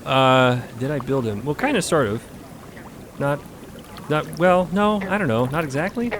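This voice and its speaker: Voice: medium pitch, lively intonation, a little slow, lightly acted. A performer playing an easygoing, good-humoured traveller, talking in a casual, rambling, hesitant way in a naturalistic audio drama. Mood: amused, hesitant. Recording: clear water noise behind voice.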